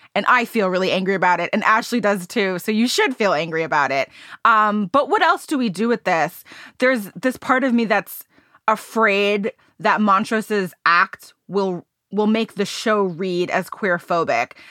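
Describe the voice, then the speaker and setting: A woman speaks with a plain, everyday voice at a medium pitch. Her pace is moderate, and her intonation is lively. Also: very clean recording, silent background. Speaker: TV writer and podcast co-host. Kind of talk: casual chat.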